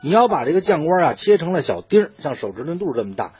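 Animated Beijing-accented man, slightly husky. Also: fairly high pitch, fast talker, soft background music. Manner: colloquial storyteller, asking and answering own questions. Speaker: food writer guest explaining dishes. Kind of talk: conversational explanation of traditional cooking. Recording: muffled, dull lo-fi sound.

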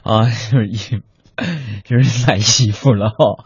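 A man telling a comic story, chatty and animated, talking to his listeners as friends. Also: on the low side, a little slow, slightly rough. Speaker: comedian. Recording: dry lo-fi recording.

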